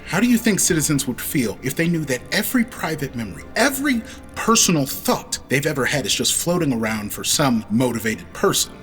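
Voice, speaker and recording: An actor playing a smug, ruthless captor in a science fiction audio drama, with a sardonic, taunting manner. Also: male voice, on the high side, very animated, fairly quick, fairly bright tone, faint music behind. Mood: smug, persuasive.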